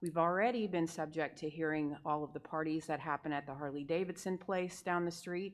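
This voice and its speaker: Fairly low in pitch, this woman has an unremarkable speaking voice with fairly even intonation. She speaks at a moderate pace against a quiet background. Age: 60s. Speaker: resident speaking at public comment. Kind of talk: public comment at council meeting. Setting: city council meeting.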